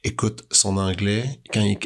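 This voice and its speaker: A man's voice: fairly low pitch, level tone, unhurried, gravelly. A Québécois man hosting an interview, asking long rambling questions with many stammers. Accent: Québécois French. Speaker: podcast host. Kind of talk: casual interview chat.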